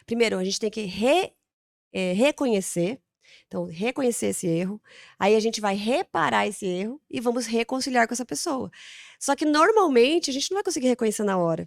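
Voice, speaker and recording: A woman's voice: a little high, dry recording, studio quality. A Brazilian woman, a mother and podcast host, giving casual advice and acting out talks with her children. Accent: Brazilian Portuguese. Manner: animated, acts out dialogues with her children.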